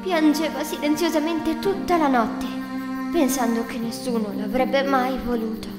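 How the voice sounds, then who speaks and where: A woman's voice: sits high, fairly even intonation, measured pace. A woman narrating a scripted fairy tale for children. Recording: reverberant, loud music behind.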